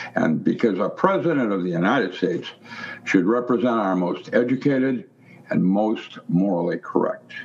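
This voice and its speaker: A man speaks with an American accent at a medium pitch. His voice makes very wide pitch swings over noticeable background noise. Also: moderate pace. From US Pacific Northwest, Seattle. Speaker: physicist and metaphysics author. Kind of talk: casual chat. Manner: animated.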